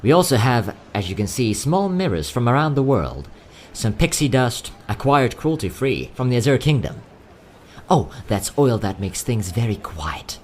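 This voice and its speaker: A man playing a courteous, quietly sad young travelling merchant in a fantasy audio drama, speaking in polite, theatrical salesman's patter. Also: mid-range voice, very animated, moderate pace, a little hiss or hum, close to an everyday voice. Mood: wry sales patter. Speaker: voice actor.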